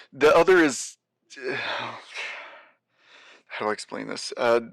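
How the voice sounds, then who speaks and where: An actor playing an anxious, weary man taping a warning in an audio drama, halting and self-doubting as he rambles. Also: medium pitch, fairly bright tone, no room sound, low-quality recording. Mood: searching, weary. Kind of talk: audio drama monologue as a taped message.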